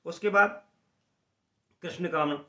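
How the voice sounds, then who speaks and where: A man teaching a singing lesson at the harmonium, slowly explaining notes and singing short chant phrases. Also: a little high, sharp tone, roomy sound. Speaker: music teacher.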